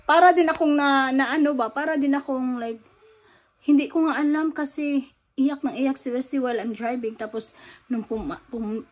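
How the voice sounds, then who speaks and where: Filipina mom vlogging, high voice, keeps restarting, kinda emotional. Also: female voice, a little mellow, rough recording. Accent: Filipino, with Cebuano words. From Philippines. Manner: emotional, halting, many restarts and fillers, mixes English into Tagalog. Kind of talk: casual vlog monologue.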